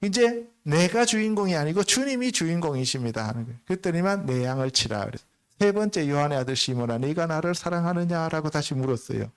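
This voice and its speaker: Male pastor, fairly high voice, chatty sermon style with call-and-response asides. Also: animated, fast, smooth. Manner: conversational preaching, frequent call-and-response asides. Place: church sanctuary.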